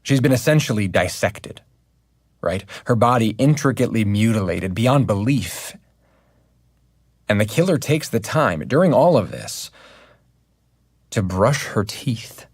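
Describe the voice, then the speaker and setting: An actor playing an earnest investigative journalist, speaking in a measured, conversational true-crime podcast style. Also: male voice, on the low side, expressive, dry recording. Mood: sober, reflective. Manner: measured, reflective, sober.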